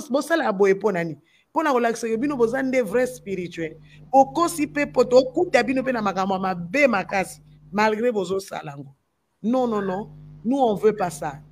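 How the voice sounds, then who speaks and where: A woman's voice: mid-range voice, expressive, a little fast, slight background noise. A woman from the Congo with a Congolese French accent, a gospel musician speaking with passion and repeating phrases for stress. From Democratic Republic of the Congo. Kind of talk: impassioned talk-show discussion.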